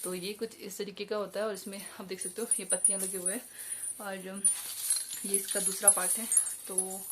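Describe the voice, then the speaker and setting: Young woman, mid-pitched, casual chatty vlogger with many hesitations; noisy home recording. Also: level tone, normal speed. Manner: chatty, hesitant with many fillers and self-corrections. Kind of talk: casual show-and-tell vlog. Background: jingling jewellery and bells.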